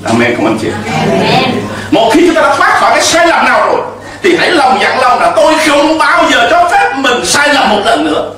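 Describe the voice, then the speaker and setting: A man's voice: very high-pitched, very animated, fairly quick, pushed and bright, heavy reverb, distant mic. A middle-aged man preaching a sermon from a church pulpit into a handheld mic, emphatic, with call-and-response to the congregation. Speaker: pastor. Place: church stage with pulpit and cross.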